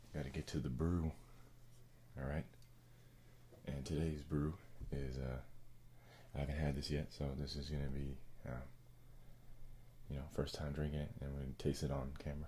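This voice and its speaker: A soft-spoken man with a very deep, low pitch and a somewhat breathy, dark, mellow tone, with long, frequent pauses. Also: moderate pace. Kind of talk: casual talk to camera.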